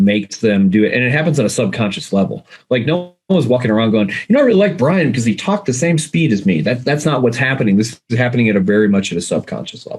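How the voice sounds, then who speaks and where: Very fast, somewhat breathy speech from a man, with hardly any pauses and very wide pitch swings. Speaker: communication coach and trainer. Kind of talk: webinar discussion.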